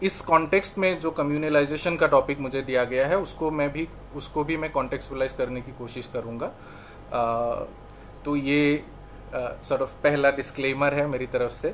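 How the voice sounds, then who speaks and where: A man's fairly high-pitched voice with a non-native accent and fairly even intonation. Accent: non-native Hindi. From Assam, India. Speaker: freelance journalist. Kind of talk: online talk / lecture. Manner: halting, many fillers.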